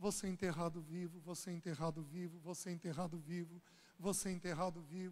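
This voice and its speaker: A high-pitched man at a fairly quick pace, monotone with flat intonation. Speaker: guest preacher. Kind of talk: sermon testimony.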